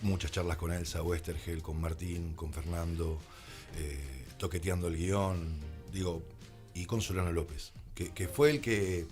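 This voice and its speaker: A man's voice: sits low, steady tone, measured pace, darkish tone, soft background music. An Argentine man telling stories conversationally as a radio interview guest, slipping into reported dialogue as he goes. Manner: anecdotal, acts out reported dialogue. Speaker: guest, radio drama creator.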